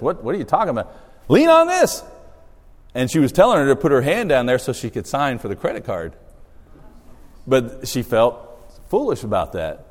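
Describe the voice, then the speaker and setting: A man from Australia speaks as a missionary in church, telling self-deprecating stories with a low voice. His pitch rises and falls in a lively way. The sound carries a long hall reverb. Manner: storytelling, animated, self-deprecating humor. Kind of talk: church talk with anecdotes.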